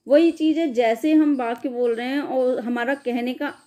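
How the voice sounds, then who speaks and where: High-voiced woman teaching a lesson. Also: steady tone, normal speed, dark tone. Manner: explains step by step, asks and answers her own questions. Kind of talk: exam-prep lecture.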